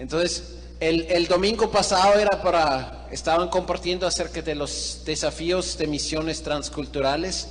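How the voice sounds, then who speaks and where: Over noticeable background noise, a man with a Swiss accent talks at a fairly slow pace with hardly any pauses. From Switzerland. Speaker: missionary guest preacher. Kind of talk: sermon. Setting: church. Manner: halting.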